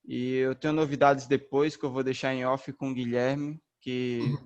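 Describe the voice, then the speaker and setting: Young racing driver from the brazilian northeast, chill slangy chat, lots of "tipo" and "velho". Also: male voice, medium pitch, moderate pace, lo-fi sound. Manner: relaxed and slangy, many fillers. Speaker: race car driver, interview guest. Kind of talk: casual interview answers.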